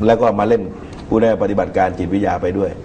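A middle-aged man with a low, very mellow voice gives political commentary on a talk show. He speaks in a measured way into a lapel microphone, with faint noise in the TV studio recording. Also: steady tone, lo-fi sound.

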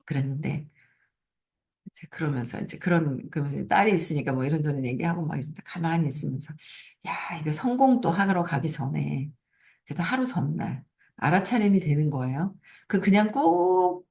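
A woman's voice: low-pitched, vocal fry, darkish tone. A middle-aged woman hosting a casual motivational talk, telling stories in a chatty way with frequent laughs. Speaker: host.

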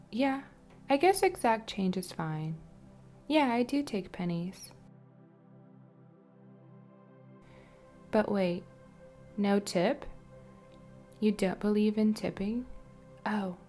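A woman playing a soothing waitress hypnotist in an ASMR roleplay, with a soft, often whispery, breathy voice and a coaxing manner. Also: lowish voice. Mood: friendly, chatty. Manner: slow, repetitive, soothing, coaxing. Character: friendly waitress turned soothing, commanding hypnotist.

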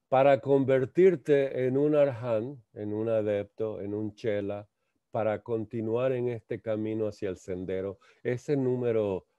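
A man slowly lecturing on a spiritual text, halting and repeating words, asking rhetorical questions. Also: fairly low pitch, mellow, no room sound. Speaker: lecturer on theosophy. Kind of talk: slow reflective spiritual lecture. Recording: muffled lo-fi dry sound.

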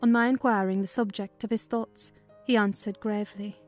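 A woman's voice: medium pitch, fairly even intonation, normal speed, darkish tone. Woman narrator over faint music. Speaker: audiobook narrator. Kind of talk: dramatized storybook narration.

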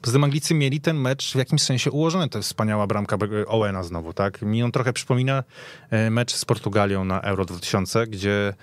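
A man with a fairly low voice chats as a football pundit in a podcast discussion. The sound is dry and close, and his way of talking is conversational, often tacking on little questions. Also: fairly quick, no echo. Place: radio studio.

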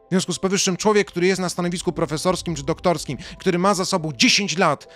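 A man delivers a sarcastic, mocking rant in a fairly high voice. He jumps from loud outbursts down to low, dry asides. Soft music plays faintly beneath him. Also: fast. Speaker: video commentator. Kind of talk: ranting commentary monologue.

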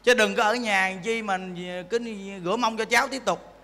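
A man gives a joking, animated Buddhist talk and keeps asking his listeners questions. His voice sits high and sounds bright and sharp. A long hall reverb trails behind each phrase. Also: moderate pace. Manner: animated, joking, acts out voices, asks the audience. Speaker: Buddhist monk teacher. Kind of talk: folksy dharma talk. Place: temple hall.

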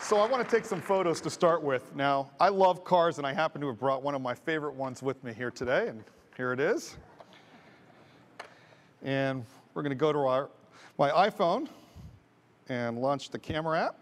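A man's voice: fairly high pitch, normal speed, a little hiss or hum. A man giving a live product demo on a large stage, walking through each step casually. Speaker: company executive giving a demo.

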